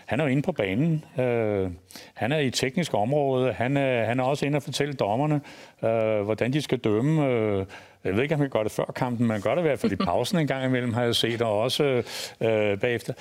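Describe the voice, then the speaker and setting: A man's voice: medium pitch, darkish tone. Teasing male football panelist. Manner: teasing, probing questions. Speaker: panelist, former football boss. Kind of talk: casual talk show chat.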